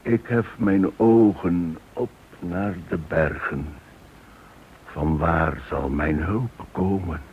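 Slow, deep-voiced devout Jewish man. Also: husky, heavily acted. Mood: solemn, trusting. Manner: solemn, measured scripture reading. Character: devout, steadfast Jewish man in occupied Amsterdam. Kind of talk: radio drama acting. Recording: dull, noisy old radio drama recording.

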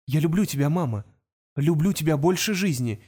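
A woman reading the part of a cold, brilliant teenage boy in an audiobook, speaking in a calm, measured way. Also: low-pitched, breathy edge. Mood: tense.

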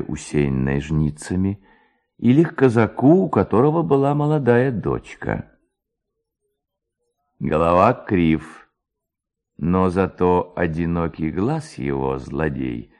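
A man reading literary prose as a narrator, in an expressive, theatrical storytelling manner. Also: low-pitched.

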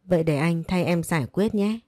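A woman's voice: fairly low pitch, fairly quick, dark tone, dry recording, clean studio sound, lightly acted. A woman reading a cold stern young man. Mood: gentle. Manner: cold, curt.

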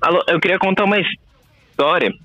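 A man speaks over the phone, his voice bright and forceful. The call sounds muffled and lo-fi, with faint music underneath. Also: high voice, normal speed. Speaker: caller.

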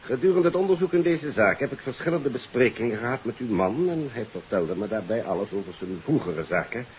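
An actor playing a courteous, earnest German police inspector in a 1950s radio detective play, questioning formally and deliberately. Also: male voice, mid-range voice, expressive, lightly acted. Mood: earnest, probing. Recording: hissy, dull 1950s radio recording.

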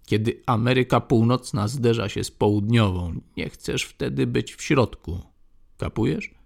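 A man reading as a gravelly old inmate. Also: medium pitch, measured pace. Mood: knowing. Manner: ominous, knowing. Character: old male prison inmate, cryptic, warns gravely. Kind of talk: audiobook character voice.

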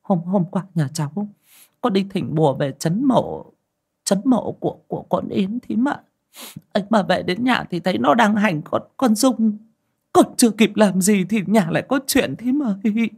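A woman's voice: high voice, lively intonation, measured pace, creaky, long pauses, darkish tone, husky, pitched above the performer's own voice, heavily acted. Woman voicing a tearful pleading mother. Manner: trembling, pleading, deferential. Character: grieving middle-aged mother, pleading and tearful.

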